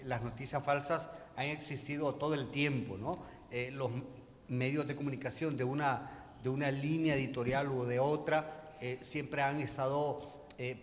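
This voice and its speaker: Salvadoran guy on a panel, mid voice, lots of ehs and pauses, echoey hall. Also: mid-range voice. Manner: halting, hesitant, frequent filler sounds and repeats. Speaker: panel guest, journalist and documentary maker. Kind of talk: spontaneous panel reflection. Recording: long reverb of a hall.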